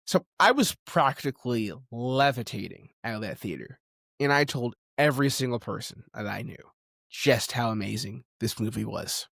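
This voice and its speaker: A man delivering an opinionated video essay, stressing key words emphatically and pausing for effect. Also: mid-range voice, expressive, vocal fry, fairly bright tone, no echo, studio quality.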